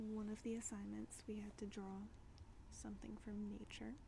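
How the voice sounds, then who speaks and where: A soft-spoken voice moves at a fairly slow pace. Noticeable background noise runs underneath. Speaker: vlogger. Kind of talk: casual vlog chat. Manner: soft, close ASMR roleplay voice. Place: home room. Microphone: webcam.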